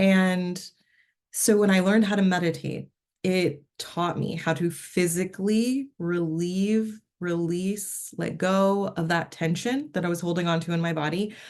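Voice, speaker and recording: In an ordinary speaking voice, a woman talks at a fairly slow pace and fairly low pitch, with ordinary pitch variation and a quiet background. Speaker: spiritual podcast host. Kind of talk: casual solo podcast monologue.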